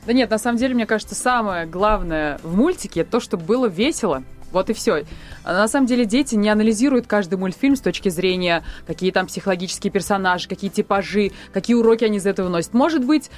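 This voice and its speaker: A woman guest on a radio talk show, a mother, talking in a lively, emphatic way. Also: mid-range voice, quick pace, faint music behind. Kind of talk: radio studio discussion.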